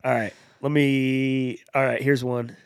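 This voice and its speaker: A man's voice: mid-range voice, level tone, slow pace, vocal fry, clear, resonant tone, dry recording. A man with a nasal voice co-hosting a podcast, chatty and self-deprecating. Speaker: podcast co-host. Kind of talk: casual chat.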